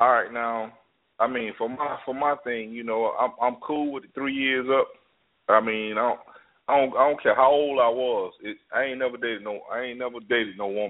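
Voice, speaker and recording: A man speaks at medium pitch and a moderate pace. His intonation is fairly even. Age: 40s. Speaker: caller. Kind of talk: casual call-in chat. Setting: phone call. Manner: halting.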